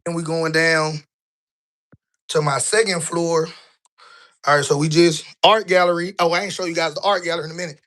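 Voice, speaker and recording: A man in his thirties vlogs as he walks indoors through his office floors, a little out of breath. His voice sits high and sounds bright and forward. He talks loosely and conversationally, tossing in rhetorical questions. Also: normal speed, long pauses. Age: 30s. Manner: conversational, asks rhetorical "right?" often; colloquial, relaxed grammar. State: a bit out of breath while walking. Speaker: business vlogger. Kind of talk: casual walking vlog.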